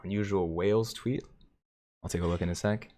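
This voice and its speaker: A man hosting a live stream, commenting on stock charts and reading viewer comments aloud with excitement. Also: deep voice, fairly quick. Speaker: livestream host.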